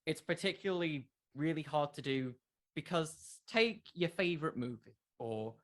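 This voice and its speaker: A man's voice: fairly high pitch, animated, moderate pace. A man speaking as a podcast creator in a casual interview, conversational and emphatic, with a self-deprecating way of talking.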